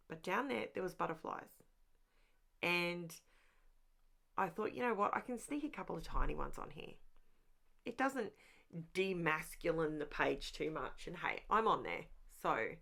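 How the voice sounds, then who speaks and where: A middle-aged woman recording a relaxed craft voiceover at home. Her voice sits a little low and carries a gravelly edge, and she rambles cheerfully, speaking directly to the people watching. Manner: rambling and self-aware, talks straight to viewers. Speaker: crafting channel host. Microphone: voiceover mic.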